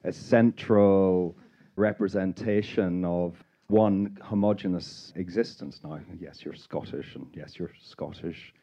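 A man's voice: deep voice, takes it slowly, warm tone, lo-fi sound. A man with a Northern Irish accent, an audience member bluntly challenging a panel. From Northern Ireland. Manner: blunt, emphatic. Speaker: audience member asking a question. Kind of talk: pointed challenge at a panel discussion.

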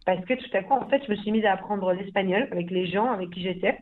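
A woman's voice: mid-range voice, quick pace, a little hiss or hum. A woman from Belgium, talking casually and chattily about her life and languages. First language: French. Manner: chatty, many fillers and restarts, laughs easily. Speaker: language school founder. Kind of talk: casual interview talk. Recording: phone-like narrow sound.

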